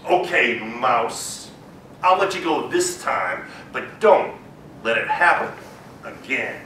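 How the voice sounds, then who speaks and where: A man voicing a great big proud male lion who speaks in a gruff, lordly way. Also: mid-range voice, expressive, slow, sharp tone, roomy sound, far from the mic, a little hiss or hum, pitched below the performer's own voice. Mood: stern.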